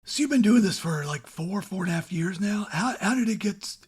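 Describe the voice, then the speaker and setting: A man hosting a radio interview, with a very husky, breathy voice set a little higher than most men's. He asks his questions in a relaxed, slightly halting way. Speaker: host.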